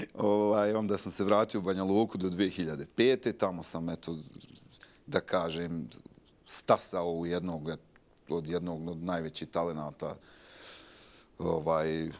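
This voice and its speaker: A man's very deep, low voice, fairly slow, with long, frequent pauses and ordinary pitch variation. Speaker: talk show guest. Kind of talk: interview answer. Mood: relaxed, joking, laughs. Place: studio. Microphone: lapel.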